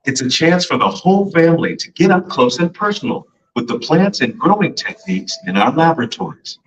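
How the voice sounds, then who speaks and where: A man giving polished, upbeat scripted ride narration, played as a recording over an outdoor boat-ride loudspeaker. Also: on the high side, big pitch swings, fairly quick. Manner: polished, upbeat announcer delivery. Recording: muffled, distant loudspeaker heard from a boat.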